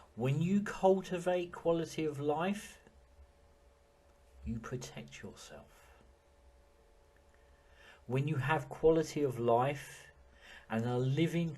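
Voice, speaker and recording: A man speaks at a very slow pace with a dark, mellow tone. His voice is somewhat breathy, and his intonation is lively. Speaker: medium and workshop teacher. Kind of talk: spiritual teaching talk to camera.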